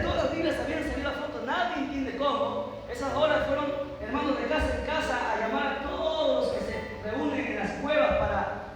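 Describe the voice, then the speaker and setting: A man preaching a dramatic sermon, telling stories and asking his listeners rhetorical questions. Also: very high voice. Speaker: evangelist preacher. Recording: very echoey hall with music behind.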